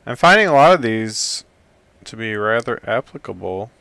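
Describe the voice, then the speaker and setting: A man giving casual commentary while browsing, thinking aloud in an excitable way and often trailing off quietly. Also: on the low side, normal speed, gravelly, smooth, no echo. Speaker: hobbyist game developer. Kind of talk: casual screen-recording commentary.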